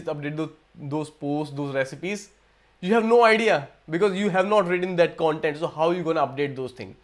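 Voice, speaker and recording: A man from India hosts a casual livestream Q&A, his voice sitting a little higher than most men's. He rambles, restarting sentences and repeating words as he goes, talking into a computer mic. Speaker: livestream host. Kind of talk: casual live Q&A talk.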